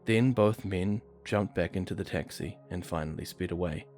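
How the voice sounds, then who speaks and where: A man with a very low voice reads true creepy stories aloud. His delivery is steady and measured. Faint music plays beneath him. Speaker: narrator. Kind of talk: reading horror stories aloud.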